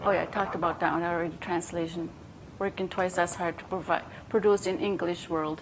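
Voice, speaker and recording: In a Maritime Canadian accent, a woman speaks at a fairly quick pace with a fairly low pitch and monotone, flat intonation. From Mi'kmaq community, Atlantic Canada. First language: Mi'kmaq. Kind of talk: conference presentation. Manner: halting.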